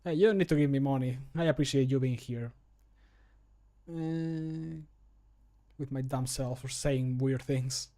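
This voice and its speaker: A man's voice: medium pitch, steady tone, measured pace, pauses often, warm tone. A man in his thirties chatting casually and self-deprecatingly as he works, muttering to himself on a close microphone at home. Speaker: streamer and amateur voice actor. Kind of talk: casual chat while working. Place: home room, indoors. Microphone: close desk microphone.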